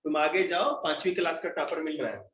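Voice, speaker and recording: A man's voice: a little high, lively intonation, brisk, fairly bright tone. A man with a Hindi accent teaching grammar to a classroom of children, joking and quizzing pupils by name. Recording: echoey room, faint noise.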